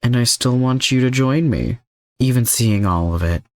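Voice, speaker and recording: A man voicing a calm, manipulative older mercenary villain in an audio story, composed and coaxing. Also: mid-range voice, moderate pace, dry recording, studio quality, pitched above the performer's own voice, close to an everyday voice. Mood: smug, composed.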